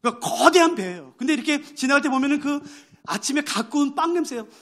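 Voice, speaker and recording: A man's voice: very high voice, expressive, fast, fairly bright tone. A male pastor preaching a sermon, telling a story with great animation and acting out its characters' voices.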